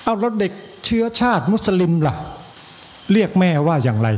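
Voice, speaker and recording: A monk with an Isan accent giving an evening sermon, slow and measured, with pauses and repetition and a joke now and then for the listeners. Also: male voice, high-pitched, sing-song, a little hiss or hum. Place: temple hall.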